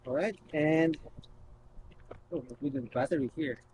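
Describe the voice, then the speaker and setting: A man hosting a casual unboxing video, talking haltingly as he thinks aloud while handling things. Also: on the high side, noisy background. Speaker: video host.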